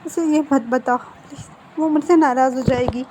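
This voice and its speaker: A tearful, anxious young man pleads through his crying in a storybook retelling, as a woman reads him out. The voice sits high and soft, with a mellow tone. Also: moderate pace, slight background noise, lightly acted. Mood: tearful, pleading.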